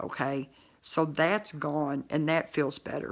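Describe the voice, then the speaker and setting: In a put-on character voice, a woman speaks raspy and very deep, with a low pitch, fairly even intonation and a fairly slow pace. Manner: muffled, as if talking with a full mouth.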